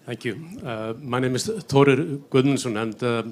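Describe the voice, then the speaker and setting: A man with an Icelandic accent putting a question from the audience in a measured, halting way. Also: medium pitch. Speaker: audience member asking a question. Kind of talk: spoken question at a public discussion.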